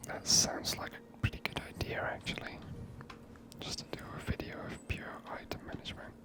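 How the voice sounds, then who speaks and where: A person giving ASMR game commentary in a soft, unvoiced whisper, gently musing aloud. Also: brisk. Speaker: video game player and narrator.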